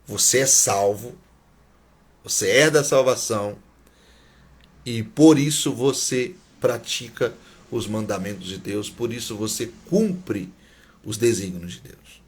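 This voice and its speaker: Guy preaching a sermon, kinda breathy husky voice, repeats stuff for emphasis. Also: mid-range voice, a little slow. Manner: emphatic, repeats key phrases, drops to a near whisper.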